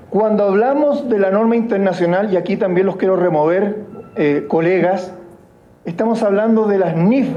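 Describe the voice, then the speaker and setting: Middle-aged Chilean lecturer, high voice, stumbling restarts, addresses the room. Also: male voice, warm tone, lo-fi sound. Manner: halting, many restarts, addresses colleagues directly. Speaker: guest lecturer. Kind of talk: conference lecture.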